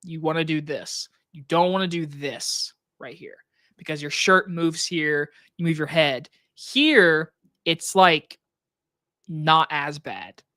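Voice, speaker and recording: A man with a scratchy, hoarse throat hosting a casual live stream Q&A from his desk, talking loosely with plenty of likes and restarts into a microphone on a boom arm. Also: slow, bright, forceful tone, dry recording, clean studio sound. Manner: loose, rambling talk with many likes and restarts. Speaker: movie reviewer and channel host. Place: home desk setup.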